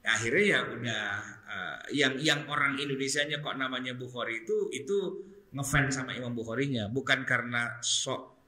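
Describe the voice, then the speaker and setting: Bright-voiced man, chatty religious teacher. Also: mid-range voice, normal speed. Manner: chatty, joking, animated explaining. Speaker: Islamic teacher. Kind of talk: casual religious study talk. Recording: roomy echo.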